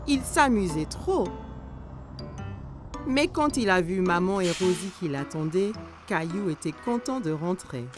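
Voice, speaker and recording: Animated woman narrating for children. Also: on the low side, measured pace, over music. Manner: expressive storytelling to young children. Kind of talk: scripted children's storybook narration.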